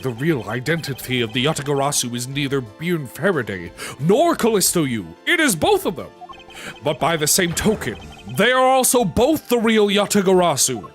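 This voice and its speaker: Composed male prosecutor read by a streamer, formal declarations, varied emphatic pitch, game music behind. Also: very animated, moderate pace, natural voice. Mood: deductive, firm. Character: stern, composed male prosecutor detective, deductive. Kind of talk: video game dialogue read aloud.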